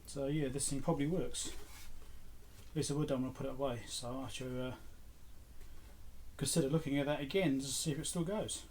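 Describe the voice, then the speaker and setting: A man's voice: medium pitch, fairly even intonation, a little fast, darkish tone. Musing middle-aged man, noisy background. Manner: musing, talking to himself. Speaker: host of an electronics repair channel. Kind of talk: casual off-the-cuff vlog commentary while sorting through items.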